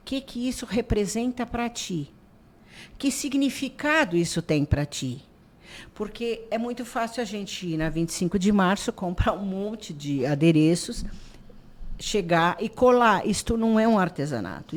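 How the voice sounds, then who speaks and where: A woman, president of an artisan association, telling animated stories in a radio interview and acting out quoted dialogue. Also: medium pitch, a little slow. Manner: animated storyteller who acts out quoted dialogue.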